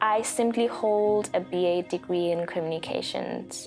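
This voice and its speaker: Music plays in the background as a woman speaks. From South Africa. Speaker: ESL teacher. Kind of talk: personal reflective narration.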